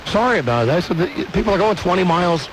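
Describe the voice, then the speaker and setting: Animated, loud-talking man on noisy radio tape. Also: high voice, fast. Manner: animated storyteller, loud, acts out his own yelling. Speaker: radio show co-host. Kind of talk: casual radio talk show banter.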